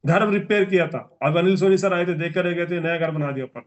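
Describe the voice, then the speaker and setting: Emphatic and repetitive, a forties-aged man urges on his audience during a motivational business training speech. He speaks in a high voice at a fairly quick pace, and the recording sounds lo-fi.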